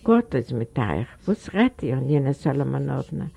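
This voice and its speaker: A woman's voice: rumbling low, big pitch swings, moderate pace, vocal fry, mellow, husky, voice pushed down, exaggerated voice. A woman voicing an anxious, pleading old man in an audiobook reading. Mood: alarmed. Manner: humble, imploring, formal address.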